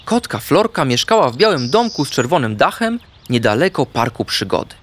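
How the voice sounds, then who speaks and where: A man narrating a children's storybook in an expressive, sing-song way. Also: medium pitch, brisk, slight background noise.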